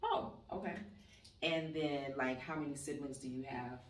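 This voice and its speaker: A woman interviewer asking measured questions and giving brief prompting replies. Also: a bass voice, fairly even intonation. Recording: distant mic, roomy, faint background noise.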